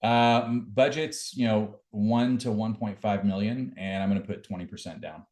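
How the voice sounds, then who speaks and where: A man's voice: lowish voice, normal speed, darkish tone. A man giving a casual product demo, hesitant and full of fillers. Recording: echoey room.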